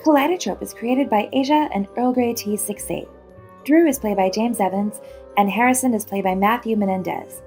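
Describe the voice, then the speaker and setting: A woman's voice: medium pitch, moderate pace, a little mellow, soft background music. A woman reading scripted end credits as the announcer of an audio drama.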